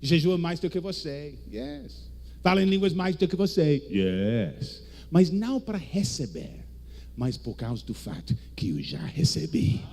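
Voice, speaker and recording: Man, English-speaking foreign accent, theatrical preacher, slow delivery, widely swinging pitch, halting grammar. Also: sing-song, vocal fry, darkish tone. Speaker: guest preacher. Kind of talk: charismatic sermon in Portuguese as a second language.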